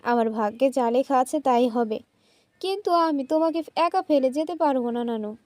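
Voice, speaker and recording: A woman's voice: high-pitched, normal speed, a little mellow, no echo, lightly acted. A woman voicing a tearful, mistreated young woman. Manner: tearful, pleading.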